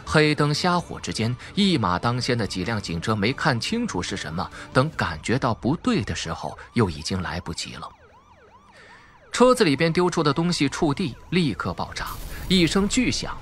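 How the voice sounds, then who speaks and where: A man's voice: medium pitch, a bit bright. A man reading a suspense audiobook as a dramatic scripted narrator.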